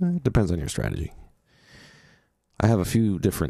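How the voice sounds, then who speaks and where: Lively in intonation, a man speaks fairly quickly with a dark, mellow tone and vocal fry. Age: 40s. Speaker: crypto and forex trading streamer. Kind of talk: live stream commentary. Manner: casual with many fillers.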